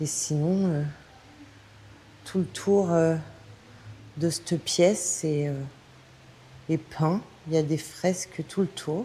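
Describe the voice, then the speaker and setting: Leaving long, frequent pauses, a woman with a fairly low voice speaks at a very slow pace with ordinary pitch variation. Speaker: travel vlogger. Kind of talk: travel vlog narration. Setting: outdoors at a temple. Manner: hesitant, many fillers; soft-spoken.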